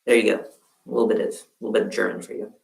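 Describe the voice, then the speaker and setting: A man streaming a relaxed crafting session from home, chatting with viewers in a halting way while he works. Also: lowish voice, creaky, far from the mic. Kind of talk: casual crafting livestream chat. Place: room at home, quilt behind. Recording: roomy sound from off-mic.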